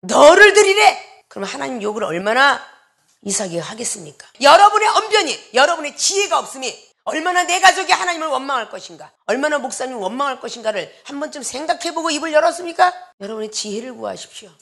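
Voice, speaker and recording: A woman pastor delivers a sermon with a somewhat high, gravelly voice. She preaches with strong emphasis and often acts out short bits of dialogue, sometimes rising to a shout. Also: lively intonation, fast.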